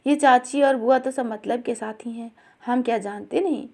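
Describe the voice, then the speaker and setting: A woman's voice: on the high side, normal speed. A woman voicing a meek hunchbacked old woman. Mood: earnest. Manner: pleading, soft-spoken.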